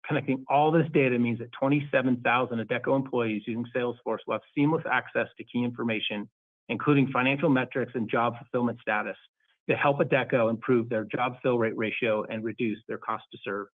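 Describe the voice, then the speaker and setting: A man speaking as a company executive, reading a prepared earnings call presentation in a formal, measured corporate manner over a phone-like conference line. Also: mid-range voice, fairly even intonation, dry recording.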